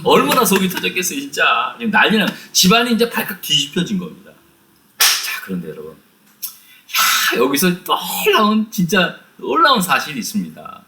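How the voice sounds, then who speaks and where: A man teaching a lively Bible study, retelling the story with many rhetorical questions and addressing his listeners directly. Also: a little high, brisk, a little hiss or hum.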